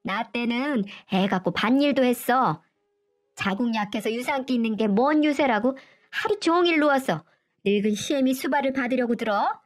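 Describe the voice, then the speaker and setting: A woman's voice: a little high, moderate pace, natural voice. A woman reading a story aloud, voicing a cruel, scheming older mother-in-law who scolds harshly and scornfully.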